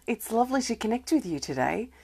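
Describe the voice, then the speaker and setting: A woman hosting a live healing-guidance stream, speaking gently with many pauses, a bit wheezy from irritated lungs. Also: a little high, big pitch swings, gravelly, breathy edge. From Australia. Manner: soft, gentle, greets viewers by name, many ums and restarts. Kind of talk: live-streamed spiritual chat.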